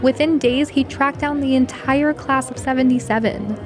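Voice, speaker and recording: A woman's voice: high-pitched, fairly even intonation, normal speed. Woman reporter narrating over music. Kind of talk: scripted news narration.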